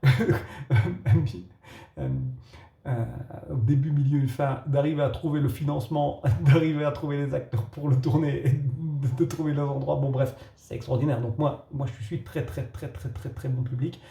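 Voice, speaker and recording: A man with a gravelly, warm, relaxed voice talks through a film review in a loose, casual way. He trips over his words and restarts often, chuckling as he goes. The room around him is echoey. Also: on the high side. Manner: halting, with many restarts and chuckles.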